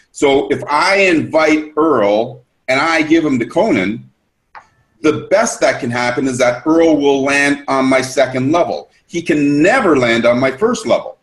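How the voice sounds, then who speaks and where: A man explaining a business system on a group call, enthusiastic and repetitive, restarting his sentences often. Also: a little high.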